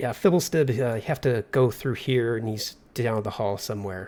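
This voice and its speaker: A man's raspy, put-on character voice at a medium pitch, moderate pace and ordinary pitch variation. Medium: actual play. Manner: curt, terse.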